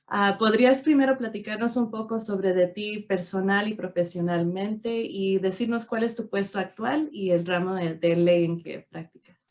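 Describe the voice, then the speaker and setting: A woman's voice: mid-range voice, normal speed, a little mellow. Woman hosting a formal interview. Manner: formal, carefully scripted opening. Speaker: host and lawyer. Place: online video interview.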